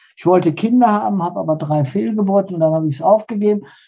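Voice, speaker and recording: Her dark, mellow tone sits at a medium pitch for a woman, carried by lively intonation. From grew up in Poland, then West Germany from 1947. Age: 80s+. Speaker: sociologist and professor. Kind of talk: interview. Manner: long, expansive answers.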